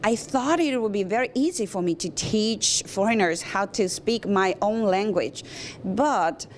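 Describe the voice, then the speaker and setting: A woman's voice: mid-range voice, expressive, a little slow, slight background noise. A woman whose first language is Chinese, speaking carefully and with hesitations as a teacher in a news interview. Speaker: visiting teacher.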